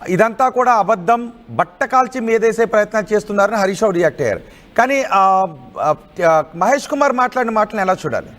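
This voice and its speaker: A woman's voice: medium pitch, animated, a little fast. A woman anchoring live news, presenting developments and putting questions to a reporter.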